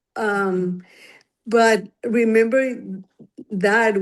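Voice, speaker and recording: Fairly even intonation marks this voice. The speaker is a woman. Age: 60s. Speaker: workshop participant, psychiatrist. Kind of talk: sharing in online workshop. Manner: halting.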